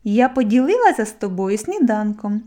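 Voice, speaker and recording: A woman's voice: fairly high pitch, very animated, normal speed, dark tone. A woman voicing a cheerful, playful young female squirrel who teases kindly and speaks sensibly. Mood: teasing. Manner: teasing, giggly, sensible.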